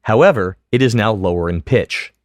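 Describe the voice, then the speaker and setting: Lively-pitched man narrating a software tutorial. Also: normal speed, no echo, studio quality. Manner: clear, methodical, step-by-step explanation. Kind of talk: scripted instructional narration over screen demo.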